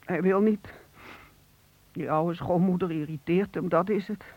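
A woman's voice: on the low side, a little slow, dry recording. Radio play: proud, lonely female pensioner, grateful but hesitant; narrow, tinny sound. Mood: anxious, grateful.

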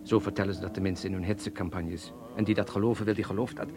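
An actor playing an earnest young Polish-Jewish revolutionary in a Dutch radio play, lecturing with hesitant pauses. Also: male voice, deep voice, fairly even intonation, lightly acted. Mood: grave, recollecting. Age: young adult.

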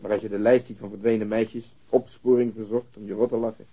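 Mellow, husky, sardonic police detective. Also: male voice, lowish voice, level tone, fast talker, dull audio. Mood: sardonic amusement. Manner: casual, blunt, sardonic. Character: cynical, coarse, amused male police detective. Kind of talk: radio drama acting.

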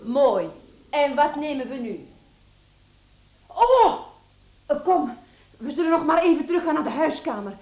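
A woman acting a brisk, anxious young sister in a radio play, urgent and expressive. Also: high voice. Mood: brisk, caring. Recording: echoey room.

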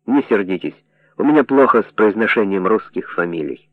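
Мужчина-чтец играет циничного западного журналиста, говорит резко и напористо. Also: male voice, lowish voice, lively intonation, a little fast, no room sound, close to an everyday voice. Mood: brash. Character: cynical Western journalist, brash man. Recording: dry narrow phone-like sound.

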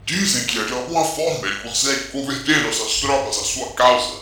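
A man's voice: medium pitch, a little fast, bright, forceful tone, very echoey, far from the mic, lightly acted. A man playing a stern, authoritative resistance officer in an audio drama.

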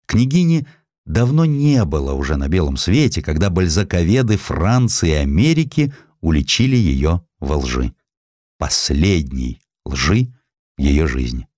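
A man with a very low voice reads literary history aloud. His delivery is dramatic and highly varied in pitch, with the polish of a scripted audiobook. The sound is dry and close. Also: very animated, measured pace, darkish tone, no echo. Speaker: audiobook narrator.

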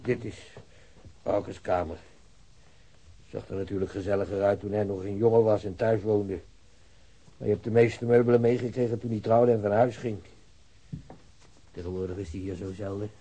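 A man's voice: on the low side, steady tone, normal speed, pauses often, mellow, breathy edge. An actor playing an old working-class father, plain-spoken, weary and loyal to his son, in a naturalistic radio drama. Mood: uneasy. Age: older.

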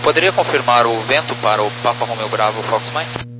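A man's voice: mid-range voice, fairly quick, music in the background, low-quality recording. A Brazilian man, a pilot, giving brief procedural reports and readbacks over aviation radio.

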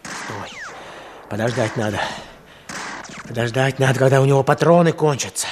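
An actor playing a hot-headed, urgent Red detachment fighter in a Soviet radio drama. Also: male voice, mid-range voice, moderate pace, close to an everyday voice. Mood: cautious. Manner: excitable, urgent, colloquial. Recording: noisy radio play recording with clicks.

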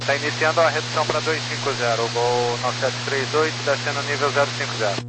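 Fast-talking male pilot on noisy radio. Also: medium pitch, fairly even intonation. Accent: Brazilian. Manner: clipped, procedural phrasing. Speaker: airline pilot. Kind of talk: radio readback. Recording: humming, noisy cockpit radio.

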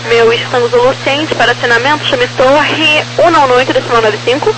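A woman with a Brazilian accent working as an air traffic controller, giving clipped, procedural clearances and phonetic-alphabet codes over crackly radio. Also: high voice, fairly even intonation, fast. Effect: crackly aviation radio. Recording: noisy crackly aviation radio transmission.

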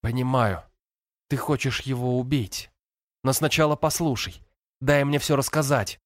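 A man's voice: medium pitch, a little slow, no echo, clean studio sound, pitched above the performer's own voice, close to an everyday voice. A man voicing a despairing teenage boy who talks through tears in a cracking voice. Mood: urgent. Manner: broken, tearful pleading.

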